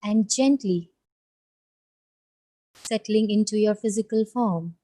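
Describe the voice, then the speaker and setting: A woman leading a guided meditation, giving gentle, soothing instructions with long pauses. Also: mid-range voice, poor audio.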